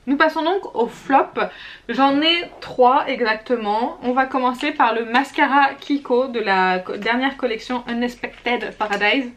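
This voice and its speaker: A woman's voice: sits high, a little slow, fairly bright tone, a little hiss or hum. A young woman talking casually and candidly to her camera at home as she reviews makeup and skincare products, restarting her sentences often. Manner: chatty and candid, with frequent fillers and self-corrections. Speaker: beauty vlogger. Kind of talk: casual monthly favorites and flops review.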